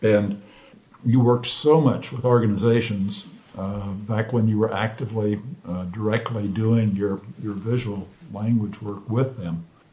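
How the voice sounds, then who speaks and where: A man talks fairly slowly in a fairly low pitch, his intonation fairly even, against noticeable background noise. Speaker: interviewer. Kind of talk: casual interview conversation.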